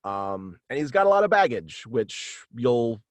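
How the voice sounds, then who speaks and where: Young adult man, medium pitch, casual rambling interview guest, dry close recording. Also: big pitch swings, measured pace, no room sound. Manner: rambling, frequent "like". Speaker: guest, voice actor and writer. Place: small room at home, on video call.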